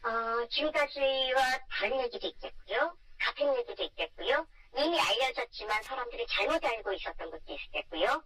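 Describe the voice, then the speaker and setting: An electronically disguised, feminine-sounding voice of a radio interview guest speaking earnestly and formally in a measured way. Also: lively intonation, bright, forceful tone, husky. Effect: electronic voice disguise, shifted high. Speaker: documentary maker, interview guest. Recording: muffled, distant phone-interview sound.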